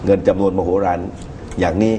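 A middle-aged man with a low, very mellow voice gives political commentary on a talk show. He speaks in a measured way into a lapel microphone, with faint noise in the TV studio recording. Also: fairly even intonation.

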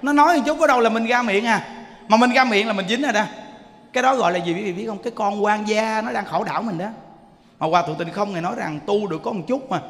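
High-voiced man preaching. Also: fast. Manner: folksy, animated storytelling with laughter. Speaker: monk. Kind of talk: sermon. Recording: long reverb of a temple hall.

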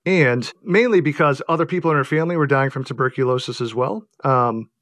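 A man's voice: mid-range voice, a little fast, a bit bright, dry recording. A man who is an author and a guest on the show, answering thoughtfully and hesitantly, with frequent fillers. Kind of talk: interview answers.

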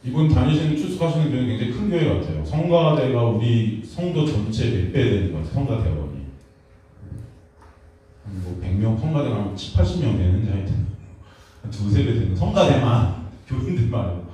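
Pastor guy preaching, swings from quiet to yelling, big echoey hall, mic kinda far. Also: mid-range voice, brisk. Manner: animated, swinging from hushed to shouting questions. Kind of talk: sermon. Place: church hall in a basement.

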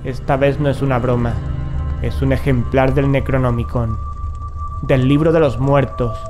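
A man playing a grave, determined occult investigator in a horror audio drama, speaking in a solemn, measured way. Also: medium pitch, fairly even intonation, music in the background, lightly acted. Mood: grave, ominous.

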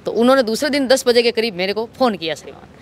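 A man with a Rajasthani accent and a high-pitched voice recounts an incident as an interviewee. He speaks into a reporter's handheld microphone outdoors, with faint street noise behind him. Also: animated, fast talker. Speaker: local political party worker, interviewee. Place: outdoors in an office compound.

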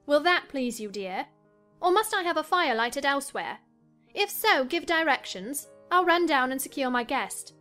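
A woman voicing an excitable, headstrong young wife in a dramatised classic novel reading. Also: high voice, normal speed, faint music behind, pitched above the performer's own voice. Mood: eager, teasing. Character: excitable, headstrong young married lady, breathlessly joyful.

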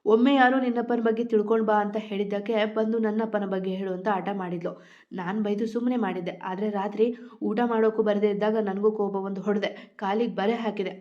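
A woman voicing a weary older single mother who speaks in a soft, sorrowful way, in a dull lo-fi recording. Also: mid-range voice, level tone, fairly quick, natural voice.

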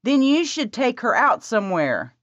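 A high, loud, bubbly younger sister, as a woman narrator puts her on, bossing someone around in eager bursts. The voice is raised well above the narrator's own, and the recording sounds dry and a little dull. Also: no echo. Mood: bossy. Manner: excitable, bossy, talks fast in bursts.

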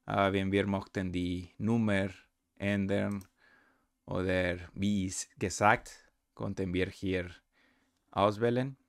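A non-native man with a foreign accent giving a software tutorial, halting and searching for words. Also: low-pitched, fairly even intonation, creaky, smooth, dry recording. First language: not German. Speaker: presenter.

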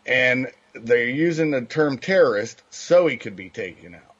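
A man appears as a guest on a political talk radio show, speaking bluntly and matter-of-factly. His medium-pitched voice is animated, a little slow, fairly bright and slightly rough. The line sounds dull and lo-fi.

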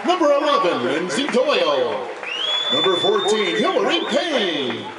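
A man's voice: high voice, huge pitch swings, unhurried. A middle-aged American man working as a public-address announcer, reading out team lineups formally and drawing out the players' names. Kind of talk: announcing softball starting lineups. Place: stadium press box. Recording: echoey, distant mic, loud crowd noise.

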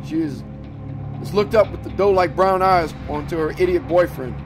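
A man narrating a horror story, dramatic and slowing down for the dark passages. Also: high-pitched. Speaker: audiobook narrator. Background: background music.

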